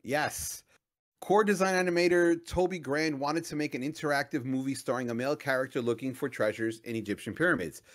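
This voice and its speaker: A man's voice: mid-range voice, a little fast, a bit bright. A man co-hosting a casual podcast chat, blunt and opinionated, joking freely as he talks. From Latin America. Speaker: podcast co-host.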